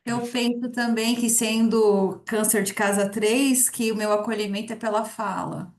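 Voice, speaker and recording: A woman on a video call reflects slowly on her own traits. Her tone stays very even and barely rises or falls. Her voice carries a roomy echo. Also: a little high. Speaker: study group participant. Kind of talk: casual chat on a video call.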